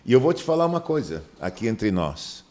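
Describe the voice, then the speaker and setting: This middle-aged Brazilian pastor from Manaus has a lowish voice and a brisk delivery. Interviewed on a podcast, he tells stories with animation, acting out the dialogue loudly.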